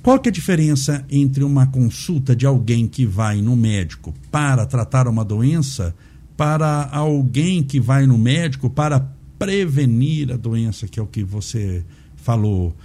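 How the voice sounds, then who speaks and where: A man's voice: medium pitch, lively intonation, a little slow, mellow. A man with a Brazilian accent hosting a podcast in a conversational interview style. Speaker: podcast host.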